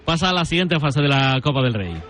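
A man hosting a live sports radio show, brisk and informal, passing between match reporters with short interjections. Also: on the high side, very animated, fairly bright tone, soft background music.

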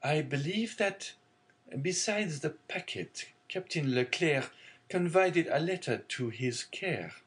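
Sly jealous sailor man read by a male narrator, insinuating, lively pitch. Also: slow. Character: scheming jealous male ship's officer.

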